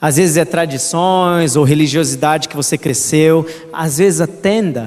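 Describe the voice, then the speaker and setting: Fairly high-pitched and animated, a man speaks in an energetic tone at a fairly slow pace. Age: 30s. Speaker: missionary preacher. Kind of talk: sermon with audience interaction, quiz and call-and-response. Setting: church with live audience.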